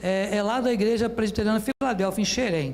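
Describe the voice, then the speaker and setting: A man talks with a high pitch. The amount of pitch variation is ordinary. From Rio de Janeiro state, Brazil (Duque de Caxias). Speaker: pastor. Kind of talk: sermon. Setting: church. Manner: casual, conversational.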